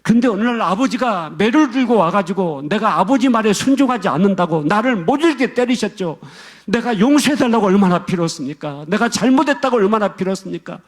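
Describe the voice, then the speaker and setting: A man's voice: mid-range voice, normal speed, pauses often, mellow, husky. A man voicing a grown man who cries out to his father, wailing and pleading with reproach. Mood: anguished.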